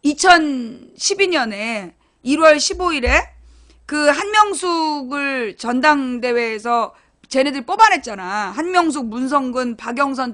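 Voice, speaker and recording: A woman's voice: sits high, a bit bright. A woman hosting a casual live internet broadcast, talking bluntly to her viewers, swearing freely and retelling stories with animation.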